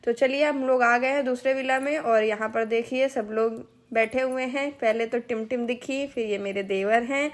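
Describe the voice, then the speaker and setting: A woman's voice: on the high side, steady tone, normal speed, hardly any pauses. A woman in her thirties with a Hindi accent, narrating a family vlog into a handheld phone and explaining each step to her viewers. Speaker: family vlogger.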